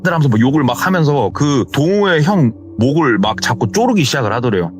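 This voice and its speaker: A man spins a spooky tale in a lively, sweeping voice, leaning into each dramatic beat. Faint music drifts beneath his casual retelling. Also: mid-range voice, fairly quick. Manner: vivid, dramatic retelling with hearsay endings. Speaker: storyteller. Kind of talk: horror storytelling, casual spoken retelling.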